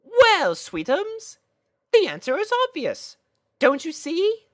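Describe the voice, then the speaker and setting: A woman's voice: extremely high pitch, wildly swooping pitch, takes it slowly, no room sound, studio quality, voice pushed up, heavily acted. A woman voicing a coy, genteel older-sister pony, theatrical and knowing, in a storybook reading. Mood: coy, dramatic. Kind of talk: storybook character voice in a fan fiction reading.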